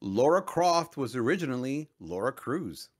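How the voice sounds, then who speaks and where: Male podcast co-host, mid-pitched, blunt, jokey, casual chat. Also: very animated, normal speed. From Latin America.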